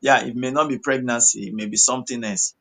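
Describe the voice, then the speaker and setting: Male doctor, West African accent, explanatory Pidgin English, reassuring and repetitive with halting phrasing, medium pitch. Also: steady tone, gravelly, bright, forceful tone. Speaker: medical doctor answering questions. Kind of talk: explanatory health question-and-answer in Pidgin English mixed with English.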